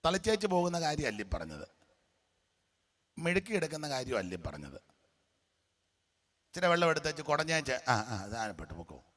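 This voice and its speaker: A male pastor preaching a lively, colloquial sermon, speaking straight to his listeners and repeating each verse after the reader. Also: on the high side, moderate pace, pauses often. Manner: animated, talks directly to listeners.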